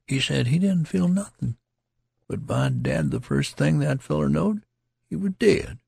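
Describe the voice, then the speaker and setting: A man's voice: on the high side, wildly swooping pitch, unhurried, creaky, darkish tone, breathy edge, dry recording, studio quality, pitched above the performer's own voice, heavily acted. A man voicing a dazed, wounded male soldier who rambles in a slurred, folksy country dialect. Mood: rambling. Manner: pleading, repetitive, plaintive.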